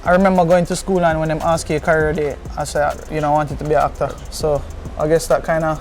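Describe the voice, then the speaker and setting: High-voiced Jamaican man chatting. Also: flat delivery, fast, soft background music. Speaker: interview guest, car content creator. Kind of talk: casual interview chat with patois.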